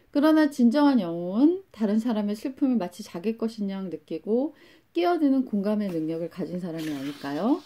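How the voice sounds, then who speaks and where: A woman who teaches and volunteers, giving an earnest, gentle reflective talk with anecdotes. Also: mid-range voice. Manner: gentle, earnest, acts out quotes.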